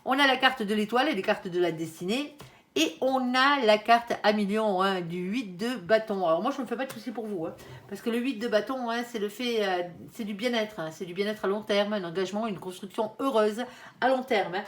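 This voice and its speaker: A woman reading tarot cards for her viewers in a chatty, casual way, often tagging her sentences with little asides. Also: mid-range voice. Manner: chatty, constant "hein", playful asides. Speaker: tarot reader.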